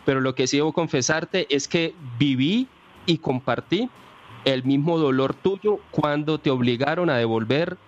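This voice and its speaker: A man's voice: on the high side, unhurried. A man with a Colombian accent chatting casually as a podcast co-host. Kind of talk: casual interview chat. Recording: dull sound, faint noise.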